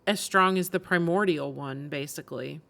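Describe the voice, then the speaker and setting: A woman with a slightly low voice reacts live on a game stream. She talks casually and muses aloud as she goes. Faint music sits behind her. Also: moderate pace, gravelly, fairly bright tone. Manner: conversational, musing aloud.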